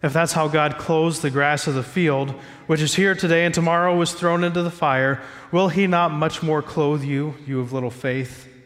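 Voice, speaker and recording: A man's voice: fairly high pitch, fairly even intonation, moderate pace, hardly any pauses, a bit bright, big-room sound. A man preaching a sermon as pastor, stuffy from a cold, talking in a conversational, self-joking way from a church stage.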